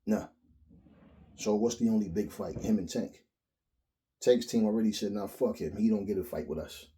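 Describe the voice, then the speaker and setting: A man, giving a blunt, profane, animated solo rant as a boxing commentary host. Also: on the low side, moderate pace, a little hiss or hum. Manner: blunt, profane, animated, mimics others in quotes.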